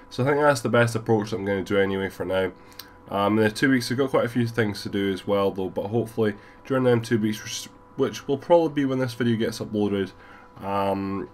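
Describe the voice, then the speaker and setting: A man with a deep voice and a cold, rambling casually through a gameplay voiceover with many fillers. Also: a little mellow. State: has a cold, stuffy. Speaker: gaming YouTuber.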